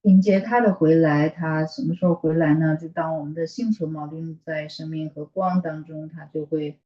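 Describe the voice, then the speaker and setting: A woman who is a native Mandarin speaker, interpreting informally and a bit haltingly as she searches for words. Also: low voice, fairly even intonation, echoey room, muffled recording. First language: Mandarin Chinese. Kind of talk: consecutive interpreting in informal talk.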